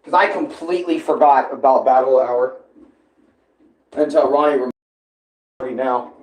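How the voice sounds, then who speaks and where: A man's voice: mid-range voice, steady tone, moderate pace, darkish tone, low-quality recording. A man doing casual live reaction commentary as a streamer, talking in slang and swearing. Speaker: livestreamer reacting to a comic dub series.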